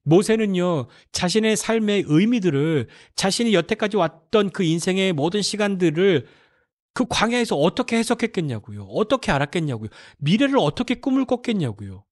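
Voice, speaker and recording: A man's voice: high voice, sing-song, fairly quick. A man preaching a sermon as pastor, acting out God's stern words in a raised voice and asking the congregation rhetorical questions.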